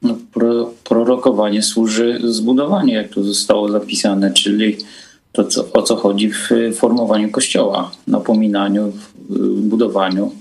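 A man's voice: on the low side, little pitch movement, normal speed, vocal fry, a little mellow, breathy edge, poor audio. A man in a study group giving a hesitant answer drawn from the text.

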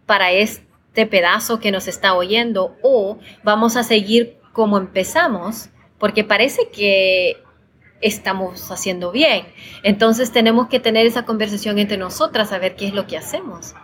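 A woman's voice: medium pitch, measured pace, a bit bright, husky. A woman from El Salvador, a podcast producer, talking as a guest in a conversational interview, thoughtful and often checking in with the listener. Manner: thoughtful, repeats words, frequent tag questions.

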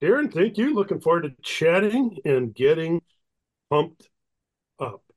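A man's voice: fairly high pitch, big pitch swings, measured pace, rough recording. Rambling male guest, lots of "you know". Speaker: guest historian. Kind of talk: casual interview chat.

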